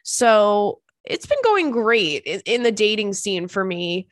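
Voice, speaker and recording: A woman's voice: medium pitch, sing-song, slow, dry recording. Congested young woman chatting, dry sound. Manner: chatty, joking, self-deprecating. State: congested from crying. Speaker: podcast host and stand-up comedian. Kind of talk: casual solo podcast chat.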